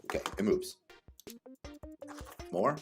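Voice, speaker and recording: A man's voice: takes it slowly, soft background music. A man reading lesson directions aloud as a teacher, with playful exclamations and casual asides. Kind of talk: animated read-aloud tutorial with casual asides.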